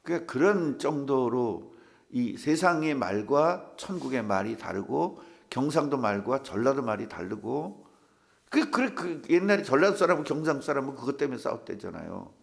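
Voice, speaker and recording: A man's voice: medium pitch, very animated, normal speed, gravelly. An older man, a pastor, preaching a humorous sermon in a church and acting out the voices of the people in his stories. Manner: humorous storytelling, acts out quoted voices.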